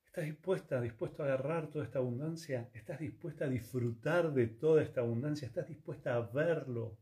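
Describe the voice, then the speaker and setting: A man, teaching yoga and conscious communication in a calm, reflective talk full of rhetorical questions. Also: medium pitch, fairly quick. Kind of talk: reflective spiritual talk to listeners.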